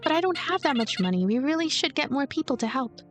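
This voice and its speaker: Woman voicing timid high-pitched young girl Clara. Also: very animated, soft background music. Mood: timid, reluctant. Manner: hesitant, meek, halting.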